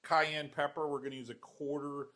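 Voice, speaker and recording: A man's voice: on the high side, little pitch movement, normal speed, pushed and bright. A man hosting a casual cooking show in a kitchen, chatting and teasing his guest. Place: home-style kitchen.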